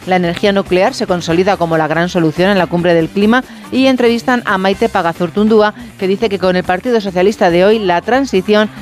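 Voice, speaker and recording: Brisk woman reading headlines. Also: medium pitch, faint music behind. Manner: brisk, chatty. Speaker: radio news co-presenter. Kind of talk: press review reading.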